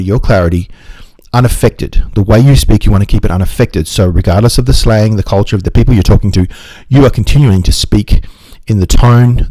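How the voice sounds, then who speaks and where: A man's voice: lowish voice, darkish tone, dry recording, rough recording. A man hosting a book review channel, talking to the camera in an earnest way and often restarting his sentences. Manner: quick and earnest, with frequent restarts. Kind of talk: casual talk to camera.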